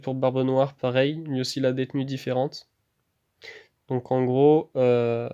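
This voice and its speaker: Hesitant man with a flat, smooth voice. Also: medium pitch. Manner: hesitant, full of fillers and restarts; relaxed, chatty. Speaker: gaming YouTuber. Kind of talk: casual gameplay voice-over commentary.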